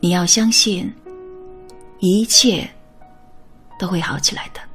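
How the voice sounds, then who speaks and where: With music in the background, a woman speaks in a gentle, calm tone. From China. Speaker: Chinese teacher and radio-style narrator. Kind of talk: soothing late-night radio reading. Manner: soft, gentle, calm.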